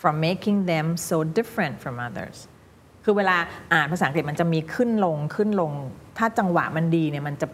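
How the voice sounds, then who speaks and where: Low-voiced woman coaching pronunciation. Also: slight background noise. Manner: corrects and models words slowly, then explains fast. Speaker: English pronunciation teacher. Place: recording studio.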